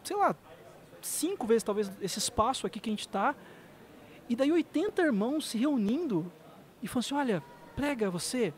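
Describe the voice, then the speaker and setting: A man with a Brazilian Portuguese accent, a missionary guest on a podcast, telling his stories in an emotional, animated way. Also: very high-pitched, normal speed. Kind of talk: podcast conversation.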